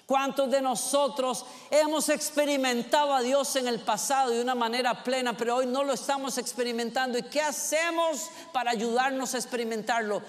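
A man's voice: extremely high pitch, steady tone, normal speed, few pauses. A man preaching a sermon in an impassioned, emphatic way, with a lot of repetition and acted-out voices of doubters. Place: large church auditorium. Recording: reverberant hall.

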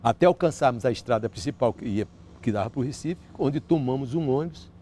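Older northeast brazilian guy telling a story outdoors on a lapel mic, mellow voice, lots of restarts, faint hum behind. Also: medium pitch, fairly quick. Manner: animated storytelling with many restarts and gestures. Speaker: interviewee. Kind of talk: recounting a personal story. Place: outdoor terrace by a park.

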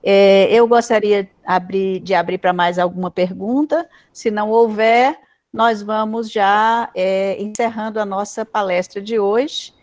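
A woman moderating an online academic talk, friendly and chatty, pausing often to search for words. Her voice is mid-pitched and plain, heard through a video call. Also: steady tone, darkish tone.

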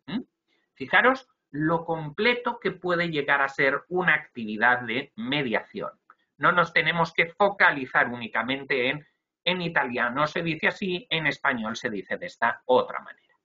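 A man's voice: fairly high pitch, animated, normal speed, pushed and bright. A young man teaching other teachers in a webinar, explaining slide by slide and dotting his talk with "ujú" and "eh". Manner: explanatory, with frequent "ujú" and "eh" fillers. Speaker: Spanish language teacher trainer. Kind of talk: webinar lecture. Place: indoor room. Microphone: video call webcam. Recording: dull lo-fi video call audio.

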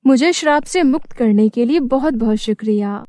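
A woman's voice: fairly high pitch, normal speed, a little mellow, natural voice. A woman voicing a grateful cartoon witch who has turned back into a woman.

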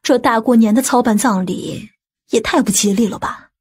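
A woman plays a fretful older mother in an audiobook drama. Her voice is fairly high and husky, with a nagging, questioning delivery. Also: normal speed, a little mellow. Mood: displeased.

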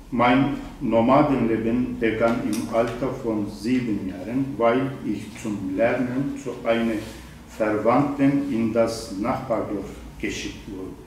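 Older man, halting German, far from the mic, faint room noise. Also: medium pitch, a little mellow, heavy reverb. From Eastern Anatolia. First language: Zazaki. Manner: halting, with frequent ums and self-corrections. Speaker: poet reading at a literary evening. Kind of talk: slow introduction and prepared reading. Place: wine bar event room. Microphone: far camera.

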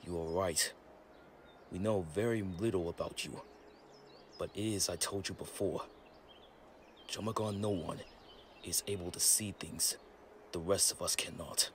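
Man playing a deep-voiced, courteous tribal guide. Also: steady tone, slight background noise. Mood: gracious. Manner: formal, measured. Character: courteous male tribal guide, calm and wise. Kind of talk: motion comic voice acting. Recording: loud music under the voice. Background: music.

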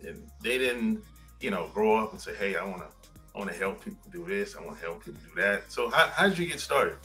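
A man's voice: mid-range voice, pushed and bright, poor audio. A man hosting a conversational podcast interview over a video call. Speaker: podcast host. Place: small home room indoors.

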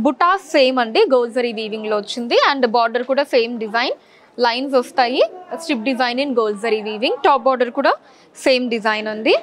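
A young woman presenting sarees in a showroom, politely listing colors, designs and prices. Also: sits high. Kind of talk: product showcase. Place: large saree showroom, indoors.

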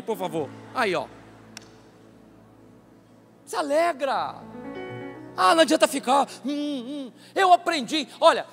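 A male pastor, preaching a loud, joking, animated sermon in a church. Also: very high-pitched. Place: church sanctuary. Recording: reverberant church hall with faint music.

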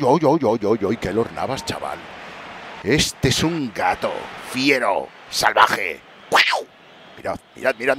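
A man with a fairly low voice narrates his own football game match like a mock sports commentator. He swings from quick muttering to bursts of loud cheering. A faint hiss sits under the home recording. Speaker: gaming channel host. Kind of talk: excited let's-play commentary. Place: home room at night.

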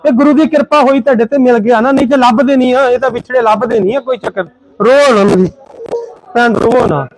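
A man's voice: extremely high pitch, brisk, poor audio. A man, a charity volunteer, questioning people outdoors in a village and appealing to viewers in an emotional, pleading and consoling way. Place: outdoors in a village among a crowd. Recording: crowd chatter behind.

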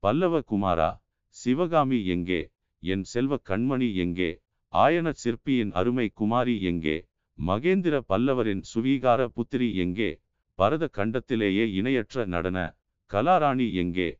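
A man's voice: mid-range voice, big pitch swings, takes it slowly, smooth, dry recording. A man voicing a grief-stricken elderly sculptor who laments his lost daughter, in a dull, lo-fi audiobook recording. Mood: frantic. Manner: wailing, lamenting.

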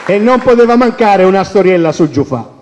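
A man from Calabria, telling folk tales on the radio in an animated, playful way. The recording is a dull radio recording with long reverb. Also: high-pitched, brisk, a crowd in the background, background noise. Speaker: storyteller. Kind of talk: folk tale storytelling on radio.

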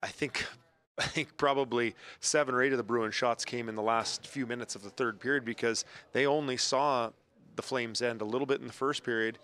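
A man in his forties giving hockey analysis from a TV studio desk with a handheld mic. He talks in a relaxed way and explains plays with hockey terms. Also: medium pitch, a little fast, clean tone. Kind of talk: sports post-game analysis.

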